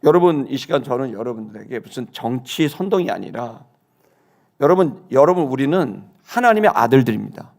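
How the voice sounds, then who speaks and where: A man in his fifties preaching a sermon, telling a personal story with indignation, swinging between hushed and loud. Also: mid-range voice, lively intonation, fairly quick, vocal fry. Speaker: pastor. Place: church sanctuary.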